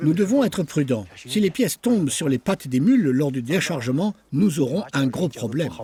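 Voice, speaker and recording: A man speaks with a dark, mellow tone and a fairly high pitch. He hardly pauses, and his pitch swings very widely. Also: moderate pace, dry, close sound with no echo. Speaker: mule transporter. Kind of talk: interview.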